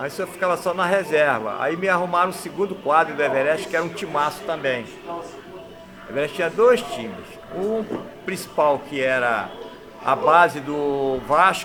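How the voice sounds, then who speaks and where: Through noticeable background noise and audible room echo, a man speaks at a fairly slow pace with lively intonation. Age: 70s. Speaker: football club president and former player. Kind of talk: interview storytelling. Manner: conversational, filler 'entendeu'.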